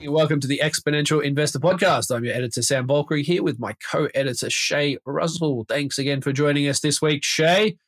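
A man with an Australian accent sounds nasal from a cold as he hosts a casual podcast. He rambles a little, restarting phrases as he goes. His voice sits a touch high for a man and is recorded dry and close, with no room sound. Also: a little fast, few pauses, no room sound, faint music behind. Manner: chatty, rambling, with many restarts. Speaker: podcast host. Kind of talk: casual conversational podcast chat.

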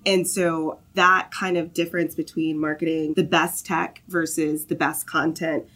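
A woman's voice: deep voice, level tone, a little slow, fairly bright tone. A woman from the Southern US, a guest on a podcast interview, explaining her work fluently and often checking in with "right?". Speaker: guest, marketing lead.

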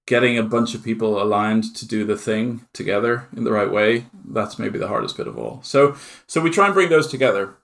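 A middle-aged man with an Irish accent, talking in a chatty, informal way as an interview guest. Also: fairly low pitch. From Ireland. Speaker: conference organiser, interview guest. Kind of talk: casual interview talk.

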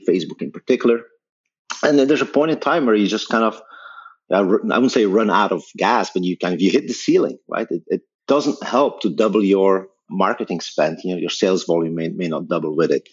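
Man, Belgian accent, middle-aged, very low voice, husky, dull lo-fi sound, explanatory podcast guest. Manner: thoughtful, explanatory, frequent fillers and restarts. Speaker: guest, company founder. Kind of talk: podcast interview.

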